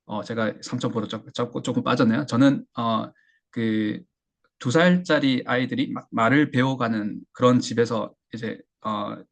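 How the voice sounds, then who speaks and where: A man teaching an English listening lesson, talking haltingly with fillers and slowly drilling phrases. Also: medium pitch, vocal fry. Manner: halting, with many fillers and restarts.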